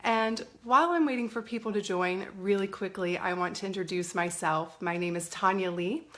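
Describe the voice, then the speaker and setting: A middle-aged woman talks casually into her phone on a live stream, her voice a little hoarse after a cold. She speaks at an easy, mid-range pitch and chats warmly with the viewers she sees joining in. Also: moderate pace. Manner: chatty, greets viewers by name. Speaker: lifestyle coach hosting a live stream. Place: indoors at a family home. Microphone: phone or webcam live stream.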